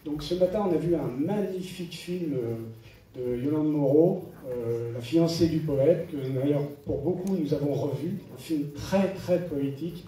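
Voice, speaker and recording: Man, audience questioner, wordy and circling, very dark tone, distant reverberant recording. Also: on the high side, a little slow. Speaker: audience member asking a question. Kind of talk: public question at a panel. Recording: roomy hall, distant mic, faint noise.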